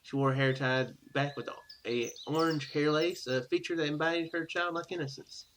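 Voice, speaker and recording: A man with a fairly high, bright voice narrates game text as a gaming host. He slips into casual, offhand commentary as he goes. The recording is clearly noisy, with clicks in it. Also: steady tone, normal speed. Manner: ad-libs offhand remarks, casual and informal. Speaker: gaming video host playing a visual novel.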